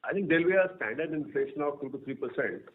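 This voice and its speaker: A man with an Indian accent speaking as a company executive, answering analysts in a halting way and repeating words. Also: on the high side, expressive. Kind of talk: answering analysts on an earnings call. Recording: narrow tinny phone-line sound.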